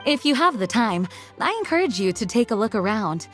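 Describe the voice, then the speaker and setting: A woman voicing a composed adult woman officer who explains traditions in a formal, measured way, in a video game. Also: a little high, sing-song. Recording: game audio with faint music.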